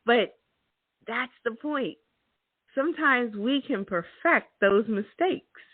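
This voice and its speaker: A woman's voice: a little high, animated, slow, no echo. A middle-aged woman hosting a motivational talk, emphatic and repeating her key words. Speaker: host. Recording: thin phone-like sound.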